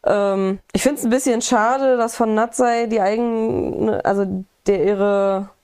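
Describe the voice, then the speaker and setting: A woman's voice: medium pitch, steady tone, slow, a little mellow, clear, resonant tone. A woman in casual, enthusiastic chat about a video game, talking freely and swearing now and then.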